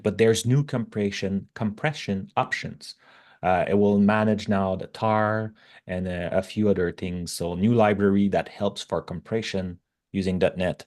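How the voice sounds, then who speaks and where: French accent guy, kinda low voice, chatting tech stuff as a guest, bit halting. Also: a little mellow. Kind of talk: casual technical talk.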